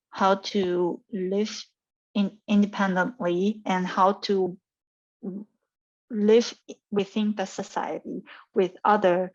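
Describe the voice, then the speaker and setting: A woman from Taiwan with a Taiwanese accent, speaking casually and thoughtfully with halting, repeated phrases as she gives advice. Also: medium pitch, a little mellow. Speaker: scientist mentor being interviewed. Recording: dull, muffled lo-fi audio.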